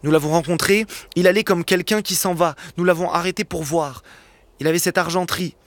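A man's voice: high voice, steady tone, brisk, no echo. A man reading aloud as a dutiful police sergeant who reports in a formal, matter-of-fact way. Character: dutiful adult male gendarmerie sergeant.

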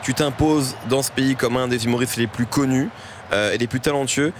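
A man's voice: mid-range voice, moderate pace, background noise. A man hosting a casual chat during a live match, teasing and joking with his guests. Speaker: host.

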